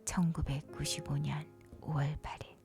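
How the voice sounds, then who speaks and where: A woman whispers a bedtime story softly and breathily, leaning into a gentle, unhurried narration with short pauses between phrases. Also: sits low, flat delivery. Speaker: narrator retelling a film story for sleep. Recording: soft music behind the whispering. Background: music.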